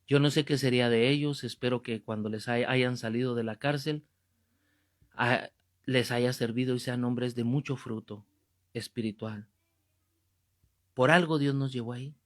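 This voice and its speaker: A Catholic preacher, teaching a Bible class in a fervent, emphatic way and repeating key phrases. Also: male voice, mid-range voice, fairly even intonation, moderate pace, long pauses. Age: 50s.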